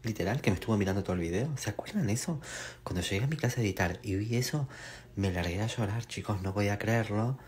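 A young man with a Rioplatense accent, vlogging in a casual, theatrical way. He is nervous and shaken, and his voice jumps into high squeals and laughter. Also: fast talker, a little mellow. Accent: Rioplatense Spanish. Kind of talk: casual chat to the camera.

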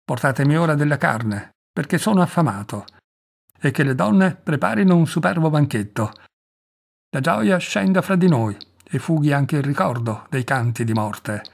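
A man's voice: on the high side, lively intonation, normal speed, vocal fry. A man reading as a proud old tribal chief. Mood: commanding. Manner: declamatory, proud oratory. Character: aged tribal chief, boastful proud warrior.

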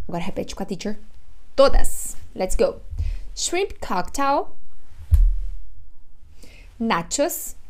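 A woman with a Brazilian Portuguese accent teaches English on a webcam from a room at home. Her voice sits a little high, and she takes her time. She draws out each word she models and repeats it. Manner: slow, drawn-out modeling of words, repeating each one. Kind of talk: online English lesson.

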